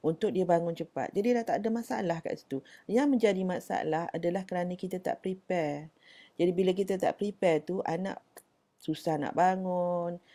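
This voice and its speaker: A middle-aged Malaysian woman hosting a casual parenting talk, giving gentle advice in Malay mixed with English and answering viewers' questions. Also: low-pitched.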